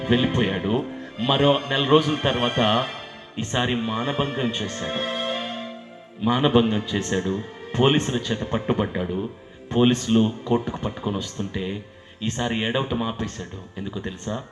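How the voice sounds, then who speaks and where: A man's voice: medium pitch, measured pace, long pauses. A male evangelist telling a dramatic sermon story with rhetorical questions. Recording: echoey hall with long reverb and faint music.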